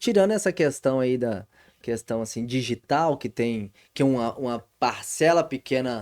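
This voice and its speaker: A man speaks with a slight Minas Gerais accent at a medium pitch. His intonation is lively and his pace fairly slow. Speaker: podcast host. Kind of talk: casual chat. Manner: animated.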